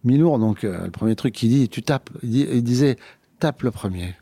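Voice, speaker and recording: A man's voice: medium pitch, expressive, normal speed, mellow, husky, no echo. A man from France recounting his childhood in an interview, hesitant, with many fillers and restarts. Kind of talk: personal storytelling in conversation.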